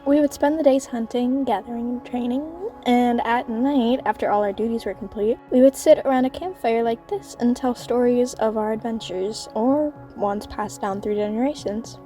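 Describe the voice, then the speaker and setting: A woman voicing a nostalgic yet blunt tribal-raised fighter in an amateur animated series. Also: on the high side, normal speed, hardly any pauses, close to an everyday voice. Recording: slightly distant mic under faint music.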